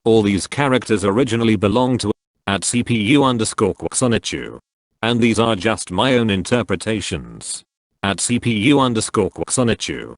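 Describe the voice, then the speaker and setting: A man's voice: lowish voice, expressive, normal speed, no echo, studio quality. A man reading social media posts aloud, speaking every handle and symbol out literally.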